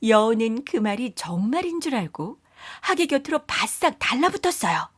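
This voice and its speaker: A woman's voice: fairly high pitch, very animated, normal speed, breathy edge, no room sound. A woman storyteller narrating scripted children's folktales.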